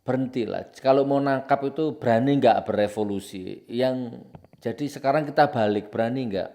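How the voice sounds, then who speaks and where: A man preaching with confrontation, hammering out repeated accusations and swinging from low and solemn to loud and heated. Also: normal speed. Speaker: Islamic preacher. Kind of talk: impassioned preaching commentary.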